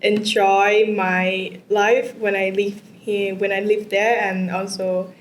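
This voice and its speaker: A woman's voice: mid-range voice, flat delivery, slow pace. A young Vietnamese woman, a non-native English speaker, answering exam questions hesitantly with many fillers and repeats. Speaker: test candidate. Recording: echoey room with faint noise.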